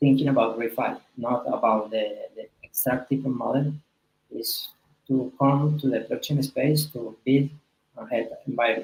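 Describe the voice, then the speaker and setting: A somewhat breathy man with a Spanish accent, fairly high pitch, a fairly slow pace and fairly even intonation. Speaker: community project organizer. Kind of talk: project presentation. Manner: halting.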